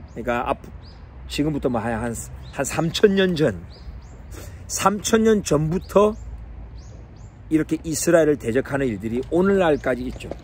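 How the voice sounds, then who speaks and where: Guy preaching and telling a family story, lively up and down voice, faint noise behind. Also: on the high side. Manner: animated storytelling with chuckles. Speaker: Bible teacher.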